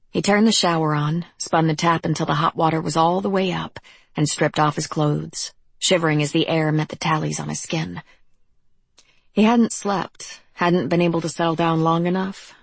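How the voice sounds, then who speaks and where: A woman narrating an audiobook in measured, dramatic scripted narration. Her voice is low and husky, and the recording is dry and close. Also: no echo.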